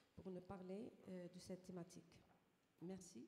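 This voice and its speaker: A somewhat breathy woman's voice, dark and mellow in tone, at a fairly slow pace with audible room echo. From Algeria. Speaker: professor, session moderator. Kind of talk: conference session moderation.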